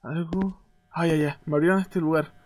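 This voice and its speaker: A young Chilean man with a fairly high voice swears and yelps in fright as he plays a horror game, narrating what he sees. A faint hum sits under the recording. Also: steady tone, moderate pace. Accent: Chilean Spanish. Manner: swearing often and yelping in fright. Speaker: gaming youtuber. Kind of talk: horror game let's play commentary.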